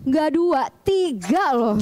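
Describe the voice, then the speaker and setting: A woman's voice: high-pitched, expressive, takes it slowly, a little mellow, a little hiss or hum. A woman with an Indonesian accent giving live esports commentary and analysis as a co-caster.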